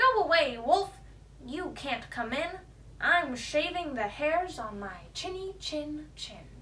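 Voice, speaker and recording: Someone shouts in a put-on character voice at a fairly slow pace. Clear background noise runs underneath. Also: woman, extremely high pitch for a woman. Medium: read story. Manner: rude, shouting.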